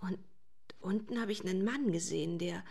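An actress playing a frightened young housemaid in a German radio drama, giving a halting, horrified witness account. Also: female voice, mid-range voice, vocal fry, a little mellow, breathy edge. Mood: uneasy recollection. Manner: halting, horrified, breathless emphasis. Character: frightened young Irish housemaid recounting a murder she witnessed.

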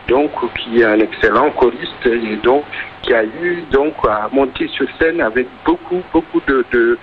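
Over noisy, muffled shortwave, a man answers interview questions. He feels his way through each phrase haltingly. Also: mid-range voice. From Senegal. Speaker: festival organizer being interviewed. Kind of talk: spontaneous radio interview answers. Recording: noisy, dull shortwave radio reception.

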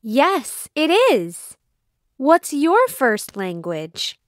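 Woman, high voice, slow, clear lesson reading, dry close mic. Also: wildly swooping pitch, no room sound. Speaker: dialogue reader. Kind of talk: scripted language-lesson dialogue.

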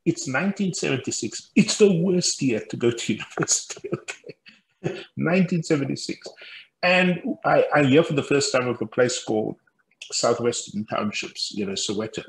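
A man, a professor telling stories on a video call from a room at home. He talks in an animated, anecdotal way, laughing often. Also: medium pitch, moderate pace, gravelly, a little hiss or hum, low-quality recording. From South Africa. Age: 60s. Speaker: guest speaker, professor. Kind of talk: storytelling interview on a video call. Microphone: headset on a video call.

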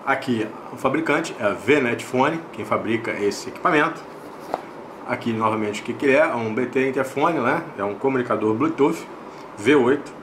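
A man's voice: medium pitch, moderate pace, background noise. A man with a Brazilian Portuguese accent hosting a casual product review, explaining step by step, repeating himself and checking in with little tag questions. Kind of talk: casual unboxing and review narration.

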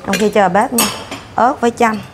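A woman's voice: a little high, fairly even intonation, normal speed, background noise. A woman in her thirties on a lapel mic, chatting casually as she walks a hotel breakfast buffet and serves herself. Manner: chatty, narrating while serving herself food. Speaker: food vlogger. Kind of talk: casual walkthrough vlog. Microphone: clip-on lapel mic. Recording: clinking dishes and cutlery behind.

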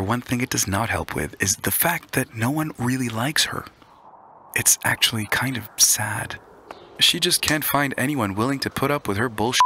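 A man giving scripted commercial and explainer narration as a voice-over artist, in a clear, measured announcer delivery. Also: mid-range voice, bright, forceful tone, slight background noise.

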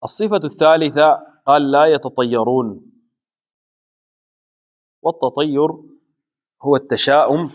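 A man explaining a religious text in a slow, deliberate teaching style with frequent pauses. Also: fairly high pitch. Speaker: Islamic scholar teaching a book. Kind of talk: measured religious lesson.

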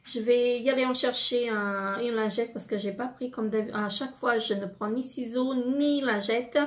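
A woman in her thirties with a slightly hoarse voice, chatting casually through a product haul with many fillers and pauses. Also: a little high, steady tone. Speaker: beauty vlogger.

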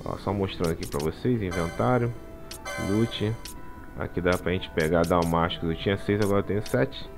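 A Brazilian gaming channel host with a low voice narrates gameplay at normal speed, with music in the background. Chatty and casual, he adds "tá?" after almost every phrase in his voice-over on the game capture.

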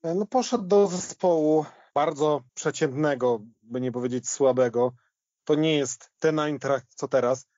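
A man with a slightly high voice talks football in a discursive, hesitant, conversational style. He often repeats words as he works through a point. The recording is dry and a little dull. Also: measured pace, warm tone, no echo. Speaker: football podcast guest commentator. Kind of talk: conversational football reminiscence and analysis.

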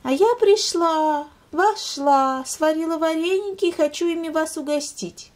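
A woman's voice: extremely high pitch, unhurried, a little mellow, voice pushed up. A woman voicing a sly, lazy female lynx who drawls smugly and mockingly.

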